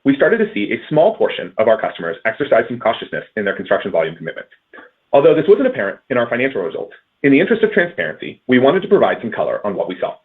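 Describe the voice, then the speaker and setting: A man reading a scripted earnings call presentation as a company finance executive, in measured corporate phrasing with stressed transitions. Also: medium pitch, husky, phone-quality sound.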